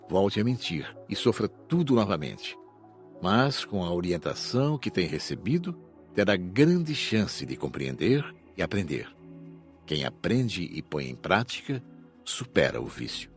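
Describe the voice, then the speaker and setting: A man acting as a wise male mentor in a spiritual audiobook. The voice is lowish and expressive, patient and didactic in its counsel, with music underneath. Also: exaggerated voice. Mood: earnest counsel. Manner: didactic, deliberate.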